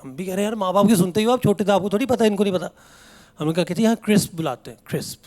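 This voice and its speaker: A young man performing a stand-up comedy set, telling family stories and acting out his relatives in an animated way. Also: high-pitched, very fast. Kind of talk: stand-up routine. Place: comedy stage before a live audience.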